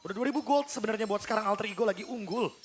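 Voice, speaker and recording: A man's voice: high voice, rapid-fire, a little hiss or hum. An Indonesian man giving live analytical commentary on an esports match. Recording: broadcast with music behind.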